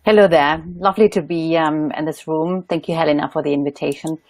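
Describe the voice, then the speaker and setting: A woman's voice: low voice, steady tone, fairly quick, vocal fry, darkish tone, no echo. A woman from Germany with a German accent, introducing herself as a company founder on a panel. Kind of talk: professional self-introduction.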